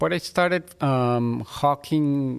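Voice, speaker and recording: A man's fairly high voice with a Mexican accent and ordinary pitch variation, on a very clean recording against a silent background. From Mexico City. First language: Spanish. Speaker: falconer. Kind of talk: casual interview chat. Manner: halting, repeats words.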